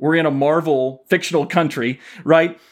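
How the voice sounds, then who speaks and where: A man with an American accent has a normal speaking voice and a fairly high pitch. He keeps a moderate pace on a very clean recording with a silent background. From US South, Knoxville, Tennessee. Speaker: children's book author, former teacher. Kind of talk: interview.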